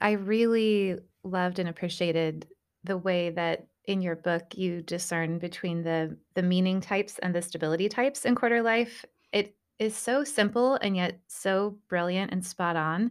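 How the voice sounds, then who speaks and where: On a very clean recording with a silent background, a woman speaks in an ordinary speaking voice at medium pitch with ordinary pitch variation. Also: moderate pace. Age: 40s. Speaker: podcast host, life and business coach. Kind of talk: casual interview.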